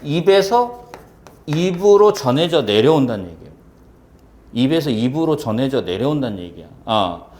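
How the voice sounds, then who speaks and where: Lively Korean lecturer, animated pitch. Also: male voice, moderate pace, slight background noise. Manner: lively, asks many rhetorical check questions. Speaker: civil service exam Korean teacher. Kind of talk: classroom lecture.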